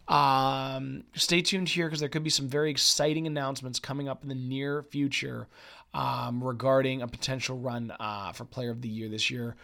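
Gravelly husky man, casual podcast host. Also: mid-range voice, a bit bright. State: weak, dry voice after a cold. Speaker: podcast host and poker player. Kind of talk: casual solo podcast commentary.

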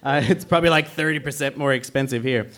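A man, co-hosting a comedy podcast on stage, animated and laughing often. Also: quick pace. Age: 30s. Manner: animated, laughs often, bursts of higher pitch. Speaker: podcast co-host. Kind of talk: casual comedic chat. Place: live stage with audience. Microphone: stage microphone.

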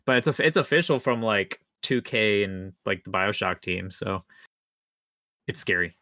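A man's voice: lowish voice, expressive, a little slow, bright, forceful tone, no echo, clean studio sound. A man co-hosting a podcast in casual chat, rambling as he thinks aloud. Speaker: podcast co-host.

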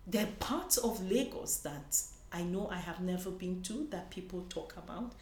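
This Nigerian panelist at a conference has a slightly mellow voice on the low side, with lively intonation and a moderate pace. Earnest and searching, she often begins her sentences again during the conversational interview, recorded in an echoey room with faint noise.

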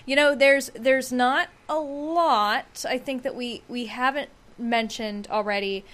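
A woman co-hosting a podcast, whose fairly high voice stops and starts through a relaxed chat. She pads her sentences with lots of "um" and "like.". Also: a little slow. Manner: hesitant, filler-heavy, amused. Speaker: podcast co-host. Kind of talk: casual chat.

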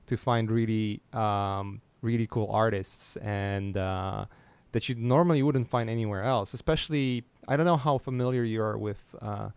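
Guy hosting a chat, lots of um's and restarts, smooth clear voice, super dry mic. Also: lowish voice, normal speed, hardly any pauses, no echo. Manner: hesitant, lots of restarts and fillers, laughs easily. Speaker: podcast host. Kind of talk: casual interview chat.

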